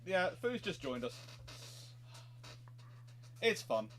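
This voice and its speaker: A man hosting a casual livestream, chatting haltingly and often repeating his words. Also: high-pitched, sing-song, fairly bright tone. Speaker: livestream host.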